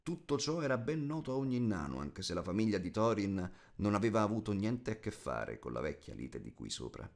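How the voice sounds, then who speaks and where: A man narrating a fantasy audiobook as a scripted, expressive storyteller. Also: fairly low pitch, brisk, vocal fry, hardly any pauses.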